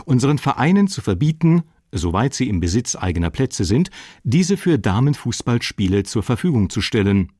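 A man's voice: medium pitch, sing-song, moderate pace, a little mellow, husky, no echo, studio quality. An actor playing a stern, officious male football official of the 1950s, reading documentary quotes formally. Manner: formal, bureaucratic. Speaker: voice actor reading historical statements.

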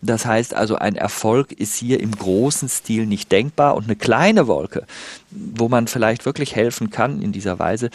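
A man's voice: lowish voice, normal speed. A man who is a weather expert, patiently explaining on a radio call-in and stressing points now and then. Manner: patient, explanatory, emphatic at times.

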